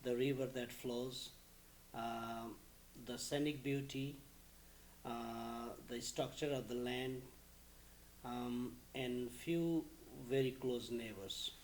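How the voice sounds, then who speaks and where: A man from Bhutan, recounting his past in an interview in a measured way, listing details between "uh" and "um.". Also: medium pitch, steady tone, slight background noise, poor audio. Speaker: refugee interviewee. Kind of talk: recorded interview testimony.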